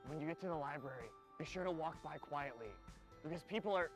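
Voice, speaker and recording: A man's voice: on the high side, fast talker. A young man, a student reporter, giving a playful, goofy walkthrough of a parade route outdoors on campus. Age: young adult. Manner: playful, goofy, shouting cheers. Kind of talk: upbeat field segment. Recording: music playing behind.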